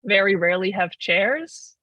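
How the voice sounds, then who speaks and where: A man's voice: high voice, expressive, normal speed, bright, forceful tone, dry recording. A 21-year-old trans man and podcast guest, chatting casually and rambling with lots of "like.". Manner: rambling, heavy use of "like". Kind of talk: casual conversation.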